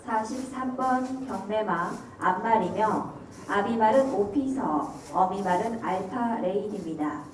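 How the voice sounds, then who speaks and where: A woman's voice: mid-range voice, lively intonation, a little slow. A woman announcer formally reading out scripted lot details at an auction. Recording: echoey venue, distant mic, crowd behind.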